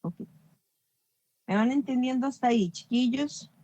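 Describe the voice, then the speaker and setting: A woman's voice: high-pitched, a little slow, mellow, no echo. A woman teaching an English grammar class online, explaining patiently and often checking understanding.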